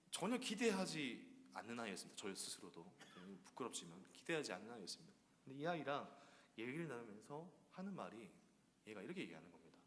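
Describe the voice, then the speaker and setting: A man preaching a sermon in a church, animated and full of rhetorical questions. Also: medium pitch, a little hiss or hum. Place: church sanctuary. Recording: long church-hall reverb.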